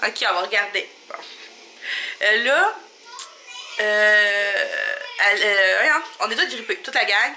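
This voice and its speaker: A woman's voice: medium pitch, takes it slowly, pauses often, pushed and bright, a little hiss or hum. A young woman with a Quebec French accent and a stuffed-up nose, chatting casually and thinking aloud in a vlog at home. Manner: rambling, informal, thinking aloud. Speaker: vlogger and mother. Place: indoors at home.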